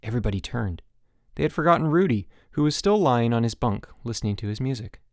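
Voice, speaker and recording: A male narrator reads a story in an expressive, scripted style. His intonation is animated and moves around freely. The sound is dry, with very little room in it. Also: medium pitch, quick pace, dry recording. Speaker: audiobook narrator.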